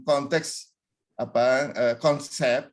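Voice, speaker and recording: A man's voice: mid-range voice, fairly even intonation, takes it slowly. A middle-aged man, a university lecturer, explaining terms in a discussion, often repeating phrases and mixing in English words. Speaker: university lecturer, interview guest.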